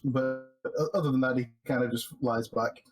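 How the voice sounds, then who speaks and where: A man playing a tabletop game, describing what his character does in a halting, unhurried way. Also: medium pitch, steady tone, loud music behind the voice, poor audio. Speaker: player voicing Red.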